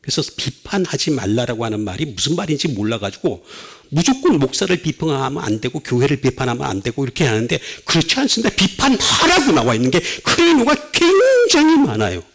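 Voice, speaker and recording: A middle-aged male pastor preaching a sermon, with sudden swings between loud and soft. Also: mid-range voice, very animated, fairly quick, creaky, hardly any pauses, husky.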